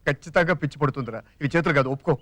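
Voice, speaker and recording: A man's voice: on the high side, fairly bright tone, dry recording, lightly acted. An actor playing a young father who pleads and jokes as he talks his friend into a scheme, in a comic film. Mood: fast pleading. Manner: fast, pleading and joking.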